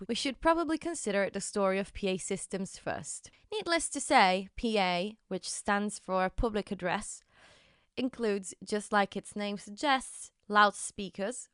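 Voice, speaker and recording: A woman with a mid-pitched voice narrates as a podcast host. She reads a prepared story conversationally, addressing listeners directly. Music plays faintly behind her voice. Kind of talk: scripted storytelling narration with personal asides.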